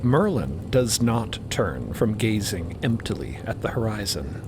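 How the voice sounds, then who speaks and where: A man giving expressive scripted narration for an audio drama. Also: fairly low pitch, a little slow, background noise. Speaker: narrator and voice actor. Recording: music behind.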